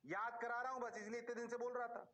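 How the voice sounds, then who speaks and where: A man's voice: level tone, quick pace, sharp tone. A male physics teacher, giving a playful online lecture in a singsong voice and answering his own questions. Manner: singsong, answers himself in a low student voice; playful, rhyming catchphrases.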